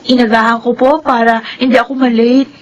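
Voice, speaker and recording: A woman's voice: fairly high pitch, flat delivery, fairly quick, slight background noise, close to an everyday voice. A young woman playing a polite poor schoolgirl. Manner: polite, soft-spoken. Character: poor, dutiful schoolgirl daughter.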